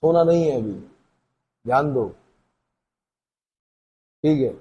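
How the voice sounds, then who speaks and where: A man's voice: fairly high pitch, slow pace, dark tone, slightly rough, dull audio. A man teaching an exam-prep class, lecturing casually and asking questions that he answers himself. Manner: conversational, asks questions and answers them himself.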